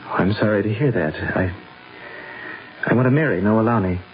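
A man's voice: fairly low pitch, moderate pace, close to an everyday voice. An actor playing an ardent, impatient young man in love in a radio drama, insistent and emphatic. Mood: awkward, determined. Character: ardent young American suitor, stubborn and impatient. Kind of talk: 1970s radio drama acting. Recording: noisy, dull old radio recording.

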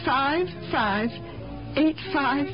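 A woman's voice: high-pitched, extremely slow. An actress playing an anguished, defensive old mother in a radio drama, faltering and repeating herself in agitation. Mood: anxious, wistful. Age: older. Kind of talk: 1970s radio drama acting. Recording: muffled vintage radio recording with music.

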